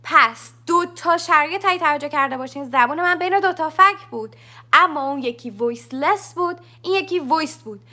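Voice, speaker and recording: A woman runs a live English lesson in a high, bright voice. She explains pronunciation step by step and demonstrates each sound herself. Now and then she stops to answer viewers' questions from the chat. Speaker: English teacher. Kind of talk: live-streamed language lesson.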